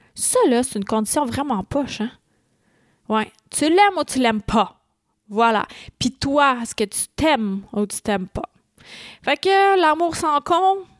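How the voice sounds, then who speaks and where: A woman with a high voice speaks very slowly in a Quebec accent, leaving long, frequent pauses. Her pitch swings very widely, and the sound is dry and close with no echo. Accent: Québécois French. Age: 40s. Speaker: spiritual podcast host. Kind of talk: solo podcast monologue. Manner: casual, animated.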